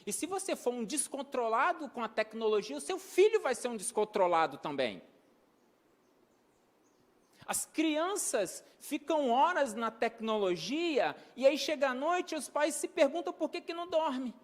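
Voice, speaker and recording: A man's voice: very high voice, sing-song, measured pace. A man preaching an emphatic sermon on parenting, repeating key phrases and acting out everyday dialogue. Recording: long hall reverb.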